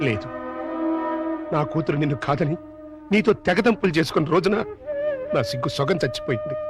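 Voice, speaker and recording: A man's voice: a little high, lively intonation, a little fast, over loud music, lightly acted. An older actor playing a fussy grandfather in a film comedy, blustering and pleading by turns. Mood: earnest pleading. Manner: blustering, pleading then bargaining. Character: anxious older man, father-in-law and moneylender.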